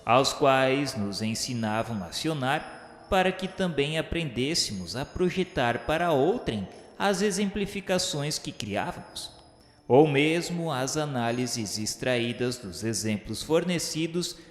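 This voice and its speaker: Radio novel narrator, male actor as a mournful Brazilian male spirit; stately, unhurried literary delivery, mid-pitched, in a long reverb. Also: animated, natural voice. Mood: solemn. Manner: grave, declamatory, measured literary diction. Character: solemn, sorrowful male spirit recounting his afterlife trials. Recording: echoey reverberant voice over music. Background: music.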